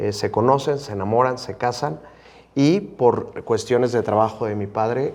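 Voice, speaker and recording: With an unremarkable speaking voice, a man talks at a fairly slow pace and with ordinary pitch variation. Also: medium pitch for a man. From Mexico, Aguascalientes. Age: 30s. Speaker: government spokesperson. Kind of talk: interview.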